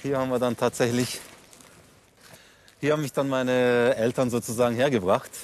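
A man in his forties from Munich, an interview guest telling his life story in relaxed, reflective conversation with a few fillers, outdoors on a city street. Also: mid-range voice, normal speed, a little hiss or hum. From Germany, Munich. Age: 40s.

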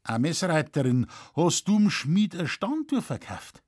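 A man's voice: fairly high pitch, sing-song, unhurried, darkish tone, husky, no echo, studio quality, voice pushed up, full character voice. A man voicing a crafty, modest Bavarian forest warden who talks plainly in dialect, with a Bavarian accent. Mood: plain sly.

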